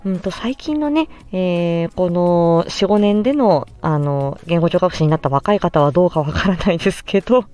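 A woman who works as a speech-language therapist hosts a solo educational podcast, explaining in a gentle, sympathetic way and pausing often with fillers as she thinks. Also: on the low side, lively intonation. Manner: thoughtful, explains slowly with many fillers. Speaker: podcast host.

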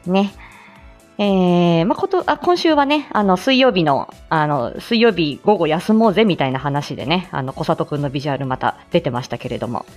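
Brief: woman host, fairly low voice, casual and chatty with hesitant fillers. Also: expressive, moderate pace, faint music behind. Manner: chatty, with frequent laughs and many fillers. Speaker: speech-language therapist and live stream host. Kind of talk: casual live-stream chat.

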